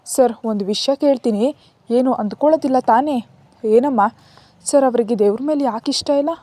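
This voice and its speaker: Humble young nanny, read by a woman, earnest and polite, mellow high-ish voice. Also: no echo, lightly acted.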